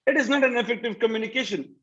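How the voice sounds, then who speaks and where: A man's voice: very high-pitched, very fast, a bit bright, lo-fi sound. A man in his thirties with an Indian English accent, an earnest communication trainer who keeps saying "you know, uh" and restarts his sentences, heard over a video call. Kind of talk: motivational talk to students.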